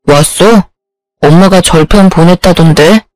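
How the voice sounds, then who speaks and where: Woman plays a low-voiced, offhand, selfish husband in a storybook drama, dry and close. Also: unhurried, darkish tone, no echo, lightly acted. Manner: curt, brushing off complaints. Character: dismissive husband, young adult man, self-centered.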